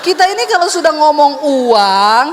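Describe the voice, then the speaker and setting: A woman pastor preaches a lively sermon. She teases her listeners with rhetorical questions. Long reverb from a large church hall trails her words. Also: sits high, moderate pace, a little hiss or hum. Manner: animated, teasing, full of rhetorical questions.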